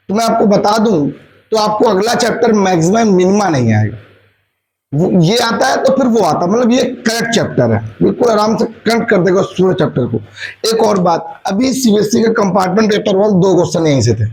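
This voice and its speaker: A man's voice: high-pitched, darkish tone, a little hiss or hum, rough recording. A man teaching a maths lesson, asking and answering his own questions and mixing English maths terms into his Hindi. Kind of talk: classroom lecture.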